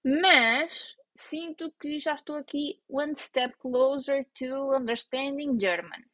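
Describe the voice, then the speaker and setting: A young woman with a European Portuguese accent talks to her viewers in a loose, self-mocking way. Her voice sits a little high, and the recording is close and dry, with no room sound. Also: slow, dry recording, poor audio. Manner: chatty, self-mocking, animated. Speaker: vlogger. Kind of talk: casual chat to camera.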